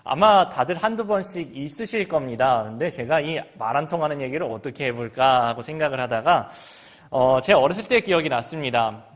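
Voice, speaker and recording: A man's voice: mid-range voice, expressive, brisk. A middle-aged man from Gangwon Province in Korea preaching a sermon, reading scripture and then talking to the congregation in a chatty way, with questions for them. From Gangwon Province, South Korea. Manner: reads scripture then talks conversationally, asking the congregation questions. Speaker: pastor.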